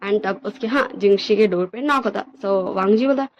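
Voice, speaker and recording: A woman's voice: medium pitch, moderate pace, lo-fi sound, slight background noise. A woman casually retelling her own fan story, chatty and mixing in English words.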